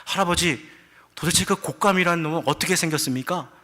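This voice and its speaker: A man's voice: fairly high pitch, fast talker, pushed and bright, voice pushed up. A man voicing an eager young grandson tiger. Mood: curious.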